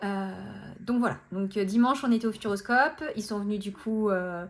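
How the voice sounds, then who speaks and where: Her intonation stays fairly even. The speaker is a woman with a medium pitch. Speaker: budget vlogger. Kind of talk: casual vlog talk. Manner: fast; hesitant, many fillers.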